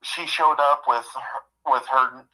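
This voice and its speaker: Sounding like he's on a phone-line call, this man of about fifty, a guest, shares something personal in a heartfelt, stop-start way, often repeating his words. He has a bright, forceful, mid-range voice with fairly even intonation.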